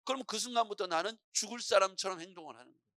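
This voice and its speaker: A man's voice: sits high, very fast, no room sound, studio quality. A middle-aged male pastor preaching a morning prayer sermon in a church, telling stories and acting out voices as he goes. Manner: lively storytelling preacher, acting out anxious and calm voices.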